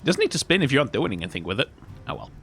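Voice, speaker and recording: A man's voice: mid-range voice, sing-song, rapid-fire, gravelly. A man giving casual video game commentary, musing aloud in a wry way. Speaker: gaming video host. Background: faint game music.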